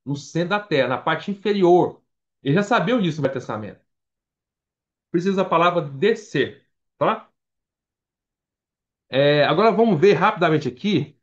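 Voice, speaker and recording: A Brazilian man with a Brazilian Portuguese accent leads a Bible study in a church meeting hall, his fairly high voice lively in intonation, moderate in pace and broken by long pauses. He chats casually, reads scripture aloud between remarks and uses frequent fillers. The recording is dull and lo-fi.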